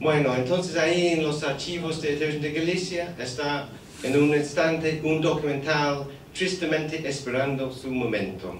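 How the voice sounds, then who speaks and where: With a non-native accent, a man speaks at a fairly high pitch and a moderate pace with ordinary pitch variation, audible room echo and light background noise. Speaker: documentary filmmaker. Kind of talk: public presentation speech; prepared speech. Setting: museum event with audience. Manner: halting. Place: hall.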